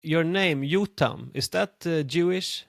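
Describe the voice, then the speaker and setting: A man's voice: a little high, takes it slowly, creaky, a bit bright, no echo. A man hosting a podcast, asking interview questions hesitantly, with fillers and false starts. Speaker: podcast host. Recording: dry, close-miked.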